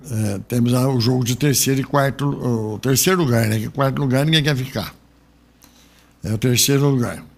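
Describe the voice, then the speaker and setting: This radio host is a middle-aged man from Brazil with a mid-range voice and noticeable vocal fry. Sitting in the studio, he keeps his football talk casual and wanders off into rambling tangents often.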